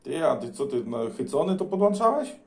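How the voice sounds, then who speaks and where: A man's voice: on the high side, big pitch swings, brisk, crowd noise. A Polish man chatting casually as a CB radio operator, recorded indoors beside his transceiver. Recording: echoey room, faint noise.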